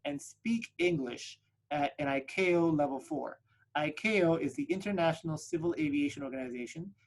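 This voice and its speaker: Presenting a flight school in a video call webinar, a man whose first language is Spanish keeps an upbeat sales tone and regularly adds "right?" to his points. The recording sounds rough.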